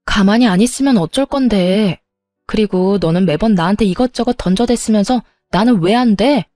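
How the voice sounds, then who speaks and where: Woman storyteller, defiant and sharp, mellow dark tone, dry close sound. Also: mid-range voice, moderate pace, no echo, soft background music. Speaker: storyteller narrating as daughter-in-law. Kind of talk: dramatized first-person story narration.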